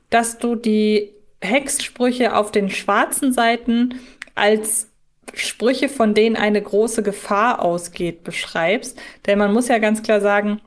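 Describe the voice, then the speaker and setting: A woman co-hosting a podcast, chatting analytically in a questioning, reflective way. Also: mid-range voice. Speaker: podcast co-host. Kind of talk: analytical casual podcast chat.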